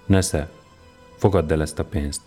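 A man voicing a stern, powerful older Roman governor in a storybook reading, with a measured, commanding manner. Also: extremely low pitch, steady tone, warm tone, soft background music.

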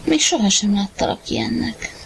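A woman reading a wife's lines in a story, soft and often hushed. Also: mid-range voice, animated, over music, rough recording. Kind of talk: dramatized audiobook reading.

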